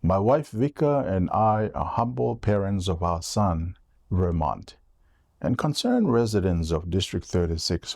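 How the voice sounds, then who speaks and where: A man from Tonga reads his prepared campaign statement in an earnest, measured way. His voice is low, dark and gravelly. The sound is dry, with no room echo. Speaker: political candidate.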